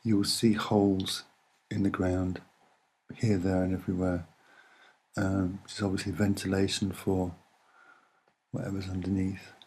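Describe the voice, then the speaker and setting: A soft-spoken man with a husky voice, giving a casual, musing and hesitant commentary as he explains what he sees. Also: sits low, completely flat delivery, a little slow, long pauses. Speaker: video narrator.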